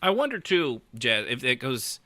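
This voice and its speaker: A man's voice: medium pitch, big pitch swings, moderate pace, bright, forceful tone, dry recording. A middle-aged man in casual podcast conversation as host, rambling and interrupting himself as he thinks aloud.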